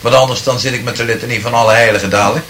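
A man speaking in a measured, deliberate way to an audience, answering their questions and then reciting improvised rhyming verse, with occasional hesitant fillers. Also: medium pitch, steady tone, noisy background.

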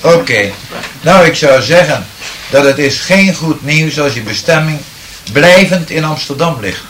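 A man speaking in a measured, deliberate way to an audience, answering their questions and then reciting improvised rhyming verse, with occasional hesitant fillers. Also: on the high side, animated, fairly bright tone, a little hiss or hum.

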